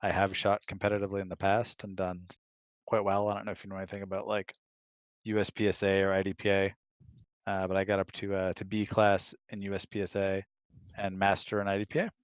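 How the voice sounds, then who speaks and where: A man's voice: deep voice, completely flat delivery, fast, clean tone, no echo. A man chatting casually as a guest and answering questions in a laconic, dry-humored way. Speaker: guest, host's husband.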